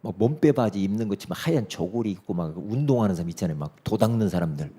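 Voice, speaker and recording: A middle-aged man preaching a sermon, swinging from loud emphatic peaks to hushed asides and acting out dialogue in his stories. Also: on the low side, lively intonation, quick pace, slightly rough. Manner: acts out quoted dialogue in his story. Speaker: pastor. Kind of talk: sermon with storytelling.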